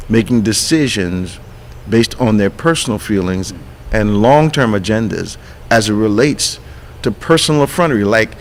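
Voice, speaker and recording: A man who pastors a church and hosts a radio talk show, speaking emphatically, restarting words as he builds to sharp indignant peaks. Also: on the low side, slight background noise. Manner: repeats and restarts words while building a point.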